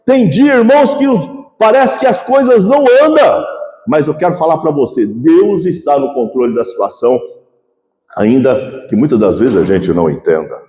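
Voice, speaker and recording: A man's voice: a little high, expressive, moderate pace, warm tone. A male pastor preaching a fervent sermon in a church, often addressing the congregation as brothers. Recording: echoey church hall reverb.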